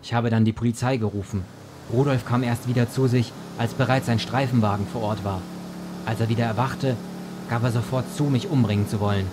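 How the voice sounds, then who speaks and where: A man's voice: medium pitch, fairly even intonation, fairly quick, lightly acted. An actor playing a grim, resolute man recounting his ordeal in an audio drama. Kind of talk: audio drama acting, storytelling. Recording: clear vehicle noise behind voice.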